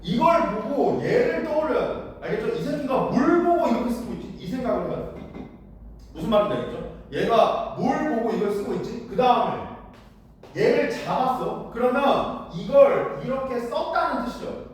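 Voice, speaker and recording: A man teaches high school literature in a lecture room, blunt and casual with mild slang, constantly using rhetorical questions to check that students follow. He's expressive and speaks at a moderate pace. He's far from the mic in a very echoey room with faint noise.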